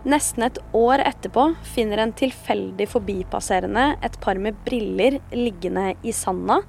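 A woman's voice: mid-range voice, vocal fry, a little mellow. A woman host telling a true-crime story in a conversational, semi-scripted narration. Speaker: podcast host.

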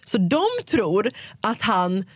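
A woman's voice: mid-range voice, husky, no room sound. Dry-voiced young woman telling a story. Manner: lively retelling full of quoted dialogue, slipping English phrases into Swedish. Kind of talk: casual storytelling chat.

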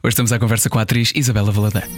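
A man's voice: fairly low pitch, level tone, racing, faint music behind. A man with a European Portuguese accent hosting a radio interview in a conversational style. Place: radio studio.

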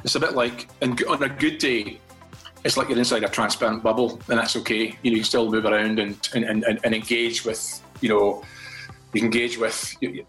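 A man's voice: lowish voice, a bit bright, low-quality recording. An older Scottish man, a guest from a fathers' charity, chatting in a radio interview and often repeating words as he restarts his thoughts.

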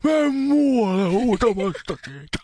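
A woman's voice: fairly high pitch, very animated, music in the background, voice pushed up. A man voicing a furious, hard-of-hearing old woman in a care home, shrieking and cursing.

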